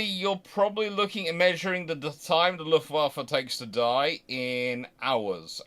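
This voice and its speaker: This man, host of a naval history channel, has a medium-pitched, slightly bright voice as he runs a live Q&A on history. He speaks off the cuff, halting and thinking aloud, often restarting sentences and leaning hard on certain words.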